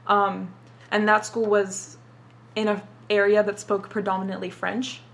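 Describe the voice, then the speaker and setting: A woman's voice: medium pitch, level tone, measured pace, creaky, fairly bright tone. A young woman who grew up in Dubai and speaks Arabic as her first language, answering questions in a casual interview and swearing freely as she talks. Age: young adult. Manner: casual, swears a lot, says "like" often.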